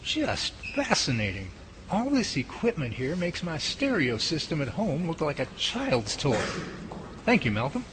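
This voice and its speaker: A man's voice: a little high, huge pitch swings, a little slow, background noise. A man playing an earnest, easily flustered team leader who talks in exclamations in an amateur radio drama. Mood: impressed.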